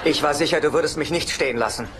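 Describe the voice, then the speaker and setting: A man's voice: fairly high pitch, fast talker, noisy background, natural voice. An actor playing a neurotic, whiny divorced father in a dubbed sitcom, anxious and self-pitying. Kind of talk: sitcom dub acting.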